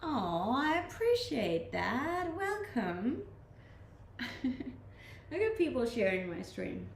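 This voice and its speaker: A young Danish streamer reads her viewers' live comments and chats with them casually, laid-back and often laughing. Her slight Danish accent is mixed from living abroad, and her voice is a little high and sing-song, slow, with vocal fry. The room is echoey, with faint ambient noise.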